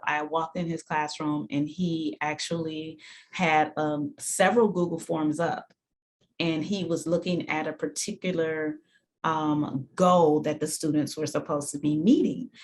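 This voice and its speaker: A woman presenting a webinar for educators, talking in a halting way with frequent ums. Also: deep voice, steady tone, slight background noise.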